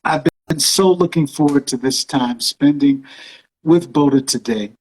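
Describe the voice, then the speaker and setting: A man's voice: fairly high pitch, measured pace, poor audio. A man hosting a music interview show, effusive and conversational, repeating phrases for emphasis and speaking straight to his listeners.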